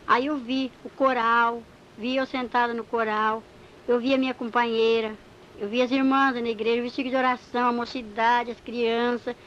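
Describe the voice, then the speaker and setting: High-voiced woman giving a church testimony. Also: moderate pace. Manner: animated storytelling, acting out dialogue. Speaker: testimony speaker. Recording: muffled recording with faint hiss.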